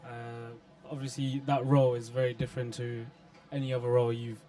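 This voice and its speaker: A man's voice: mid-range voice, level tone, fairly quick, mellow, soft background music. A man from the audience asking a question hesitantly, with fillers.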